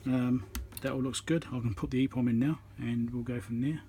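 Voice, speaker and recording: A man's voice: mid-range voice, fairly even intonation, a little fast, dark tone, slight background noise. A man giving an informal, matter-of-fact hands-on repair tutorial, thinking aloud as he works, recorded on a phone on a tripod. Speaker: electronics repairer demonstrating.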